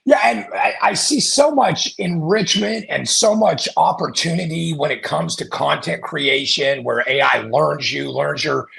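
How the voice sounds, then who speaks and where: A man's voice: fairly high pitch, a little slow, vocal fry, hardly any pauses. A man talking as a guest on a podcast, telling stories and acting out the people in them. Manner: animated storyteller, acts out quoted voices. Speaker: podcast guest, marketing company founder. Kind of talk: casual podcast conversation.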